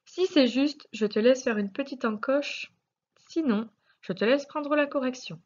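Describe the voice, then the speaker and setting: Slow, patient French woman teacher. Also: sits high, a little mellow, dull audio. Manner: slow, patient, sounds out syllables. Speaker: primary school teacher. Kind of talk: recorded spelling lesson correction.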